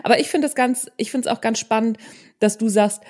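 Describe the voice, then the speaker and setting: A woman's voice: on the high side, fairly quick, a little mellow. A woman hosting a casual conversational interview, agreeing and affirming as she talks. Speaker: podcast host, interviewer.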